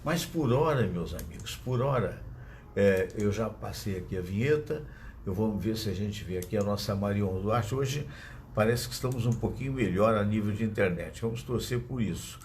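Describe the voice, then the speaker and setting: A Brazilian Portuguese-accented man hosts a live show, digressing freely as he speaks to his audience into a phone doubling as a microphone. His fairly low voice is expressive and a bit mellow at a moderate pace, with slight background noise.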